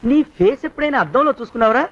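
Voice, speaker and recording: An actor playing a cheeky young man who loudly needles and blackmails his creditor in a comic film scene. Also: very high-pitched, expressive, racing, slight background noise. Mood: scornful. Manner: loud, needling, repeats a taunt. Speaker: film character, a debtor's son pressing a moneylender. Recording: dull film soundtrack.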